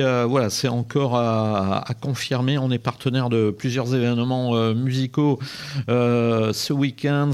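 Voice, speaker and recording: A man's voice: medium pitch, a little mellow. Rambling male radio host. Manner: hesitant, many fillers and restarts. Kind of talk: casual radio chat.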